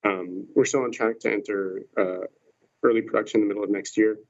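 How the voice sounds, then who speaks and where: A male executive giving an unscripted business update on an earnings call, pausing often as he goes. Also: on the low side, fairly even intonation. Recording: slightly muffled conference call audio.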